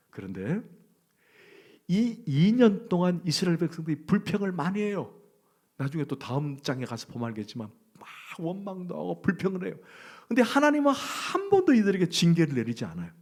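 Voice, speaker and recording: Korean pastor preaching with rising emphasis. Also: male voice, fairly high pitch. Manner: conversational preaching, quizzes the congregation with questions; swings between loud emphasis and hushed near-whisper. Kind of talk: sermon.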